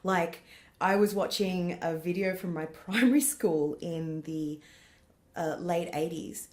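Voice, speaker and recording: A woman's voice: fairly low pitch, slow, a little mellow. An Australian woman in her thirties, a comedian chatting as a podcast guest, rambling with lots of laughter. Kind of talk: casual interview chat.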